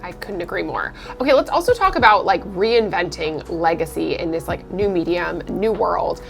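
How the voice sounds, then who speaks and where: A woman's voice: fairly low pitch, animated, moderate pace, creaky, soft background music. A woman hosting a marketing podcast, interviewing guests in an upbeat, gushing way. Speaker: podcast host. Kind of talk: casual interview.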